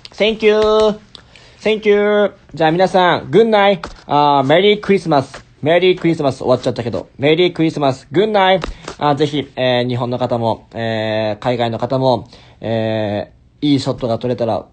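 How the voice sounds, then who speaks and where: A twenty-something stage actor from the Kansai region hosts a laid-back Japanese livestream, reading viewers' comments and sprinkling in simple English. His voice is medium-pitched at a moderate pace. He records on a phone held close while lying on a bed in a small bedroom or hotel room.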